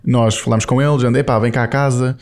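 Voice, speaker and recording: A man hosting a casual podcast, telling a story quickly with many restarts. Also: medium pitch, steady tone, darkish tone. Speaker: podcast host.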